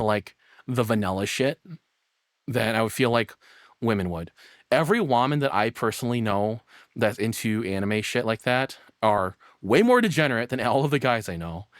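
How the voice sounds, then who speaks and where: A man's voice: medium pitch, dry recording, studio quality. A man giving casual, crude and profane commentary as a streamer reacting to a video.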